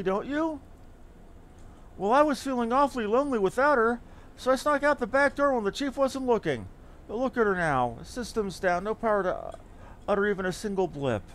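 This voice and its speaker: A man voicing an excitable, sentimental young male engineer, earnest and dramatic, as he reads game dialogue aloud. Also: very high-pitched. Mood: plaintive.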